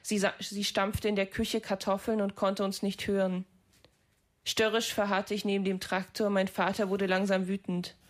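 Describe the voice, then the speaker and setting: Woman reading prose aloud, flat monotone, restrained and measured. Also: medium pitch. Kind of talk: literary reading.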